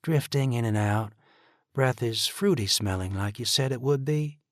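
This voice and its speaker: A man's voice: mid-range voice, moderate pace, no room sound, studio quality, voice pushed up, lightly acted. A man reading as a worried woman caretaker.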